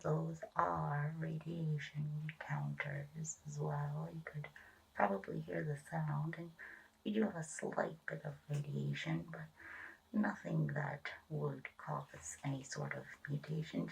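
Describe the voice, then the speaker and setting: A woman playing a gentle, eccentric doctor in an ASMR medical roleplay, whispering and murmuring in a hushed, hesitant, reassuring way. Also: sits low, fairly even intonation, measured pace, vocal fry, recorded from a distance, a little hiss or hum, exaggerated voice, rough recording. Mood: clinical, soothing. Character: gentle eccentric female doctor at a monster-mutation lab.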